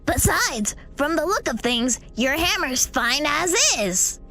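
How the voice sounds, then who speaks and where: A woman voicing a caring, worried young fox boy with a gentle manner in a comic dub. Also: high voice, expressive, slow, faint music behind, heavily acted. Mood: concerned, puzzled. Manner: gentle, concerned. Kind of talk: horror comic dub voice acting.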